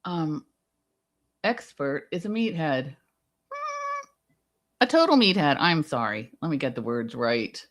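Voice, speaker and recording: A woman chatting casually on a livestream, agreeable and quick to jump in. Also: on the low side. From Guatemala.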